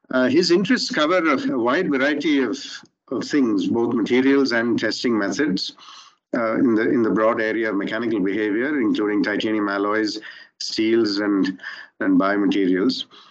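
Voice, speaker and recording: Over a quiet background, a man talks at a moderate pace. His pitch varies in an ordinary way. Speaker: webinar host introducing the speaker. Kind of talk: formal introduction of a guest speaker. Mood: friendly, lightly humorous. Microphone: video call.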